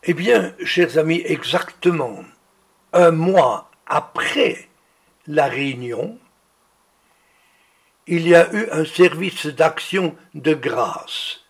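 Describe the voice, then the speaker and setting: A man preaching a sermon, reading out healing testimonies in a slow, deliberate way. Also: a little high, expressive, husky.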